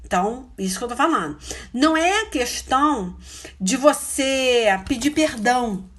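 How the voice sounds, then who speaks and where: A woman preaching an informal sermon, chatty and self-interrupting, tagging phrases with quick questions. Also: high-pitched, expressive. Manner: chatty, hunts for verses aloud, frequent "né?" tags. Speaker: missionary preacher.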